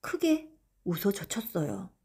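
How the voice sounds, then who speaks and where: A woman narrating a bedtime folktale as an audiobook storyteller, gently, often letting phrase ends fade toward a whisper. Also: medium pitch, huge pitch swings, unhurried, breathy edge.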